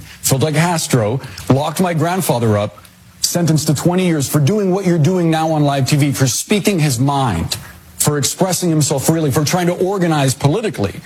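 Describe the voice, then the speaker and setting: A male news anchor with a slightly raised voice presses a guest in a firm, measured way. The broadcast clip carries faint background noise. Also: on the high side, a little mellow, rough recording. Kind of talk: live TV interview questioning.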